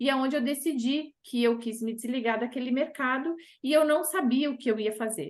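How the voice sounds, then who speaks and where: Her voice is high-pitched. The woman's intonation moves in a lively way. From São Paulo, Brazil (moved to Blumenau at 12). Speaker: real estate agent. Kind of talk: interview chat.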